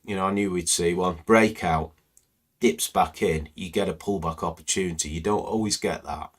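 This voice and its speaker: A man with a very low, deep voice talks through market charts on a live stream. His voice is croaky and slightly hoarse. He rambles casually, leaning on "you know" between thoughts. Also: moderate pace. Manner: conversational, rambling, many "you know" fillers. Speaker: trading educator hosting live stream. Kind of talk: live market screening commentary.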